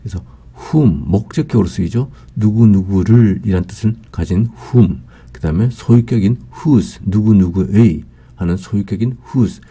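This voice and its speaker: A man's voice: lowish voice, measured pace, warm tone, husky. A man teaching English grammar, explaining example sentences step by step with frequent "ah" fillers.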